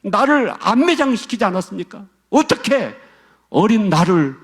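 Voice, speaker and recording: A man's voice: mid-range voice, normal speed, warm tone, husky. A man voicing a grown man who cries out to his father, wailing and pleading with reproach. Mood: anguished.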